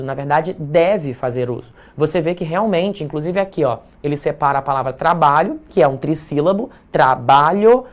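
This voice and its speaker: A Brazilian man teaching a live online writing class, in a chatty, playful way that keeps checking in with the audience. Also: fairly high pitch. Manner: chatty, playful, tags remarks with "tá?".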